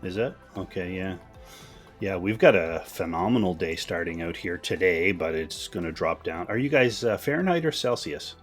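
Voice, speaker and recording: A Canadian man with a slightly husky voice, hosting a podcast and interviewing a guest in a casual, conversational way. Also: low-pitched, expressive, normal speed, faint music behind. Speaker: podcast host.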